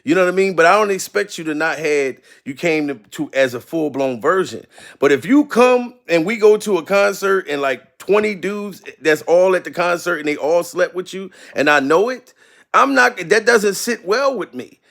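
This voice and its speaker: A man in his forties talks in a loose, rambling way, cussing and laughing as he goes. His voice sits fairly high and has a gravelly edge. He keeps checking in with "you know what I mean.". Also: expressive, normal speed, a bit bright. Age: 40s. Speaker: commentator. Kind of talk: casual reaction commentary.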